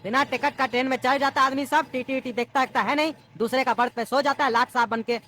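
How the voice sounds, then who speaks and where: A scheming, grumbling father in a cartoon comedy, voiced by a woman. He talks fast. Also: sits high, fairly even intonation, bright, forceful tone. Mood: complaining. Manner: complaining, quick-tempered. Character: scheming ticketless father, grown man.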